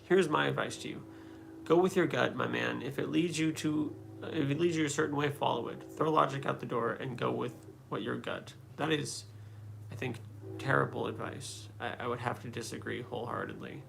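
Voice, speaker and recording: A man's voice: mid-range voice, moderate pace, creaky, background noise. A man hosting a livestream, chatting casually and answering comments, rambling with many fillers and restarts. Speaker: livestream host answering chat.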